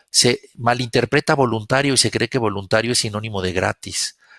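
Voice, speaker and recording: A man with a Mexican accent speaks at a medium pitch with a bright, sharp tone. The sound is dry and close with no echo, and his pitch variation is ordinary. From Mexico. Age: 50s. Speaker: quality management consultant. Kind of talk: webinar lecture. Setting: online webinar.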